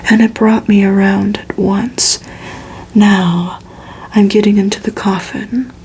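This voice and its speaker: A woman softly whispering a novel aloud in a breathy, hushed, measured ASMR storytelling style. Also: medium pitch, a little hiss or hum, poor audio. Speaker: ASMR reader. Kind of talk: whispered ASMR audiobook reading of a gothic novel.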